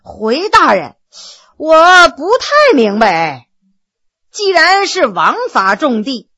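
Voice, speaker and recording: A woman's voice: high-pitched, very animated, takes it slowly, full character voice. A woman voicing a brash, mocking male general who teases and laughs at his judges in a spoken storytelling. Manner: teasing, laughing, loud outbursts.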